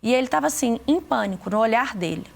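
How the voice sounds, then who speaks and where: Gravelly Brazilian woman giving testimony. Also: on the high side, animated. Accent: Brazilian Portuguese. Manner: earnest, repeats words, halting restarts. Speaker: interview guest giving testimony. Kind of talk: emotional faith testimony.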